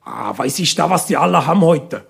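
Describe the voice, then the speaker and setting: A man's voice: a little high, expressive, a little fast, vocal fry, a bit bright, breathy edge, pitched below the performer's own voice, heavily acted. Man putting on an agitated, slangy old grandpa. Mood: frustrated, grumbling. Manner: slangy broken grammar, peppered with "ne" and "Alter". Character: indignant elderly grandpa talking in street slang. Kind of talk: stand-up comedy dialogue sketch.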